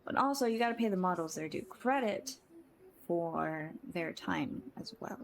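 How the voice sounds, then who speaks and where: A woman's voice: lowish voice, lively intonation, moderate pace, creaky, background noise. A woman live-streaming a game in a playful, chatty way, welcoming her viewers as she plays. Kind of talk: casual chat while playing. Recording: game music behind the voice. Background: game music.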